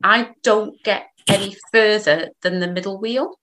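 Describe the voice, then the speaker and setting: A woman's voice: medium pitch, steady tone, unhurried, a bit bright, rough recording. A woman with a slight Geordie accent hosting an online discussion, chatty and a little hesitant. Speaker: host. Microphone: video call.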